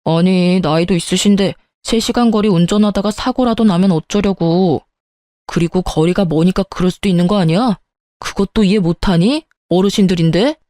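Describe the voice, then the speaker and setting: A woman doing a snippy cheating husband in a story, brushes everything off, mellow low-ish voice, dry sound. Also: normal speed, no echo, lightly acted. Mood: irritated, dismissive. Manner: curt, scornful retorts. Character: cheating, dismissive husband, adult man, irritable.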